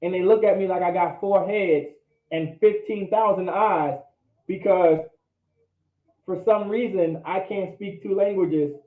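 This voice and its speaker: A man with a high voice lectures his language class at a measured pace, emphatic about his points. He checks understanding again and again with "all right?" The sound is echoey and phone-like.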